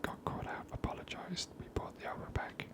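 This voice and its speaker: An ASMR host whispering a casual commentary while playing a video game, soft and musing, with frequent hesitations. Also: brisk. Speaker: gaming ASMR channel host.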